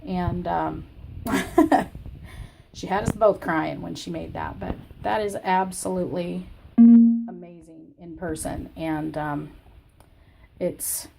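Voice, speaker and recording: A woman with a scratchy, croaky voice from illness, hosting a crafting channel. She gives a rambling, chatty personal update from her home craft room. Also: fairly low pitch, slow pace, long pauses, loud music behind the voice. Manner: rambling and chatty, with many fillers. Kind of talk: casual personal update chat.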